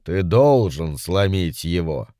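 A pompous demon lord of hell who speaks with slow, heavy, commanding weight and uses the royal "we", as a male narrator puts him on. The voice is loud and drawn out, with a lively rise and fall, recorded dry and close. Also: dry recording. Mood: imperious. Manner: slow, booming, imperious. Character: pompous ancient demon lord, elephant-bumblebee. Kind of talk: audiobook character voice.

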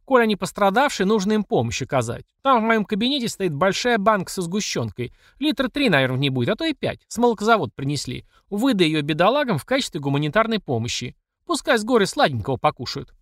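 Audiobook part: man playing a crude, shrill woman official, high and swooping, dry close read. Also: sing-song, quick pace, few pauses, no echo. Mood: scornful. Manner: shrill, scornful shouting. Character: bossy loud heavyset middle-aged woman official.

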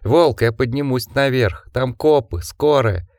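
A man's voice: medium pitch, measured pace, darkish tone, no room sound, clean studio sound, pitched above the performer's own voice, lightly acted. A man voicing a twelve-year-old boy, pleading and raising his voice in grief.

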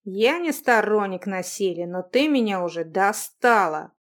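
A woman voicing a brash, headstrong young man who speaks loudly and commandingly. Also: medium pitch, expressive, measured pace, lightly acted. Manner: loud, commanding, cocky.

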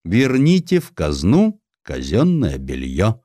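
A man's voice: on the low side, wildly swooping pitch, slow pace, warm tone, no room sound, clean studio sound, exaggerated voice. A man voicing a stern senator who questions officials formally, in an audiobook. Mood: stern, demanding. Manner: formal, interrogating. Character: stern male senator auditing a corrupt official.

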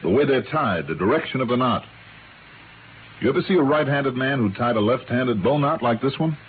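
An American actor playing a shrewd, hard-nosed insurance investigator in an old-time radio drama, confident, pressing and sardonic. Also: male voice, medium pitch, expressive, brisk, lightly acted. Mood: accusing, confident. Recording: vintage radio, narrow band, faint hiss.

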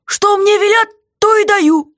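A woman voicing a gruff, grunting male jailer who yells and blusters but sounds unsure of himself. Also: very high voice, a little slow, no echo, clean studio sound, pitched above the performer's own voice. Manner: yelling, blustering.

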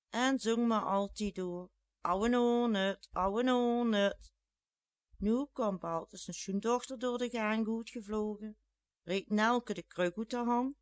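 A storyteller with a Flemish dialect accent, reading a story slowly and deliberately. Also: mid-range voice, no echo, studio quality.

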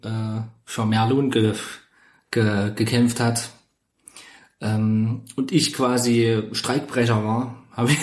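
A man playing a proud, melodramatic welder in a tabletop game, telling his past in a halting, mock-solemn way. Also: medium pitch, reverberant, close to an everyday voice.

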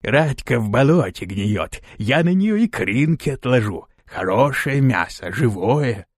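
A man voicing a gloating, pregnant female swamp creature in an audiobook, with a slow, oddly pleased drawl. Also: mid-range voice, very animated, husky, dry recording, studio quality.

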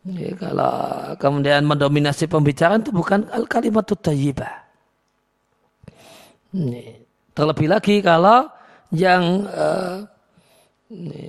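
A man giving an Islamic lecture on hadith, explaining calmly with many restarts and reciting Arabic verses before translating them. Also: a little high, unhurried, gravelly, long pauses. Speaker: Islamic teacher.

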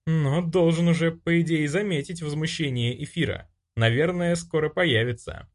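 A man's voice: a little high, moderate pace, voice pushed up, natural voice. A man voicing a stern young noblewoman. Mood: thoughtful. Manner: commanding, stern.

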